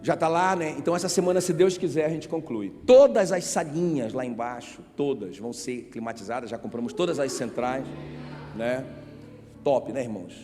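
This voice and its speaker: A man preaching a sermon as pastor, emphatic, asking the congregation rhetorical questions and calling on them to shout back. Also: medium pitch, normal speed, faint music behind. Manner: asks the crowd rhetorical questions. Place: church sanctuary. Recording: reverberant church hall.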